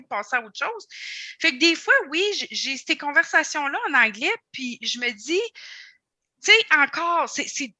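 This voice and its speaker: A woman's voice: high-pitched, sharp tone, dry recording. A woman with a Franco-Ontarian French accent, a guest in a casual panel discussion, talking reflectively with many restarts and fillers. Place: room at a table.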